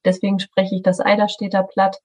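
A woman's voice: mid-range voice, monotone, a little fast, darkish tone. A middle-aged woman from Schleswig-Holstein, explaining things thoughtfully as a podcast guest, with many fillers and restarts. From Schleswig-Holstein, northern Germany. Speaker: artistic director of a theatre studio, guest.

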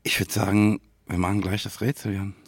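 Low, gravelly man on a podcast. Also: flat delivery, fairly quick. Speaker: podcast co-host, quiz poser. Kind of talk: casual podcast chat.

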